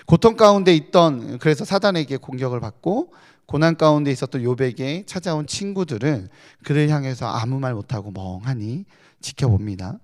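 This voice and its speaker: A man's voice: medium pitch, lively intonation, normal speed. A male pastor giving a conversational sermon at a night prayer meeting, explaining scripture in a chatty way and asking rhetorical questions.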